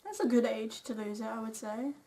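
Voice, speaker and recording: High-pitched young woman, blunt and informal. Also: fairly even intonation, brisk, mellow. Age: young adult. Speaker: co-host of a question-and-answer video. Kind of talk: casual chat.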